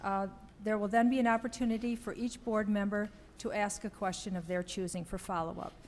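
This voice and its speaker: A woman chairing a township meeting, explaining the procedure haltingly with many ums. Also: mid-range voice, fairly even intonation. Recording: long hall reverb with faint ambience.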